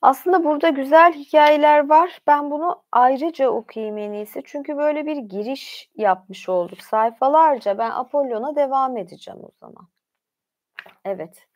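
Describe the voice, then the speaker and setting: Female streamer, slightly high voice, reads text aloud in an informal, conversational way with casual commentary. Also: moderate pace. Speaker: livestream host reading about mythology. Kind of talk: reading aloud with casual asides.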